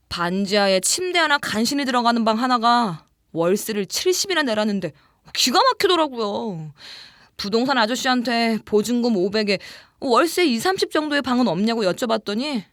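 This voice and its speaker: An actress playing a young office worker who recounts an eerie experience in a conversational way, in a horror audio drama. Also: female voice, a little high, no room sound, studio quality, natural voice. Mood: chatty, aggrieved. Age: young adult. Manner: conversational, animated narration with drawn-out murmurs and whispers.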